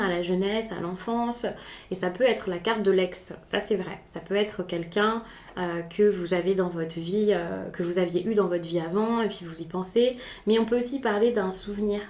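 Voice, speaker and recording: A woman's voice: mid-range voice, darkish tone, reverberant. A woman giving a spontaneous, chatty tarot reading, with many hesitations and restarts. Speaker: tarot reader.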